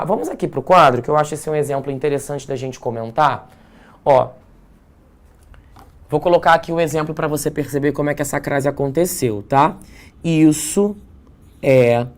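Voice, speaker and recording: A man with a Brazilian accent teaching a live exam-prep grammar class, explaining step by step and checking in with his students. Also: on the high side. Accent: Brazilian Portuguese. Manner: explanatory, frequent check-ins like "certo?" and "tá?".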